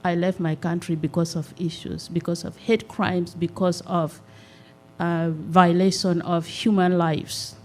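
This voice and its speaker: A middle-aged woman from South Sudan, speaking at a town hall meeting on a handheld mic. She talks in an earnest, measured way, with many "uh" pauses. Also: fairly low pitch, flat delivery, a little hiss or hum. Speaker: community nonprofit representative. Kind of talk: town hall public comment. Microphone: handheld microphone.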